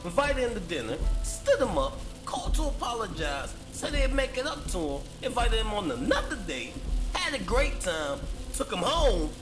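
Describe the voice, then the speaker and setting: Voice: mid-range voice, very animated, normal speed, lightly acted. An actor playing a wry young facility staffer in an audio drama, talking in a sarcastic, long-winded way. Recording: echoey, music underneath.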